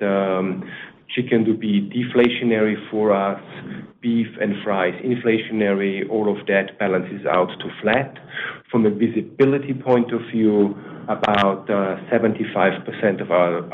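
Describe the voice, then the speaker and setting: Low-voiced man on a noisy phone line. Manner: checks in with "right?". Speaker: company finance executive. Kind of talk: earnings call answers. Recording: noisy, tinny phone-line conference call.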